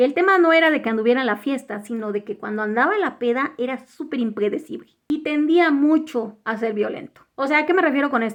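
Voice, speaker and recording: A woman's fairly quick, high-pitched speech in a Mexican accent, lively in intonation and with hardly any pauses. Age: 30s. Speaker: YouTuber. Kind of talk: personal storytime monologue. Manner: casual, colloquial.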